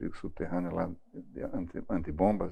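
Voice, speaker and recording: Very deep and low for a man, flat and monotone, at a moderate tempo. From Brazil (Curitiba), born in Germany. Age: 70s. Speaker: executive recruiter. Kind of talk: interview testimony. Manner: halting, with self-corrections.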